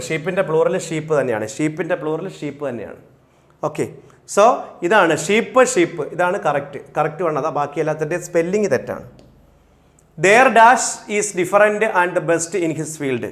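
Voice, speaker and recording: A male exam coach with a Malayalam accent, reading English questions out slowly and then explaining the answers quickly. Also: a little high. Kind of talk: recorded exam-prep lesson.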